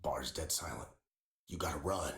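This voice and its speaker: An actor voicing a gruff male ally in a game, giving urgent, clipped orders to escape while he holds off attackers. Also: a bass voice, unhurried, a bit bright, full character voice. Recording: game audio with roomy echo.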